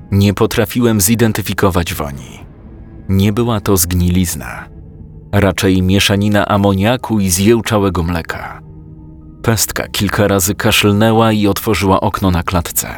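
Male narrator, low voice, measured first-person audiobook read over quiet music. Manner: calm, measured storytelling with quoted dialogue.

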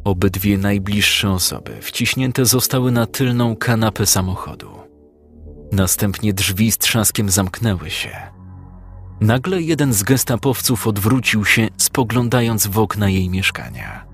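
A male narrator reading a dramatic story in a calm, measured way. His voice sits on the low side, and soft music plays faintly beneath the narration. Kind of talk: scripted audiobook narration.

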